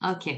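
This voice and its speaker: A woman from Marseille, France, with a faint southern French accent, does a casual oracle card reading. She sounds hesitant and drowsy, with lots of pauses and fillers, and her dark-toned voice comes through a muffled recording.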